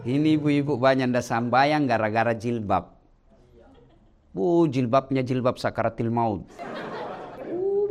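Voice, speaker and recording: Animated preacher man. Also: mid-range voice. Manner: joking, animated, addresses listeners directly. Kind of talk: lively workplace sermon.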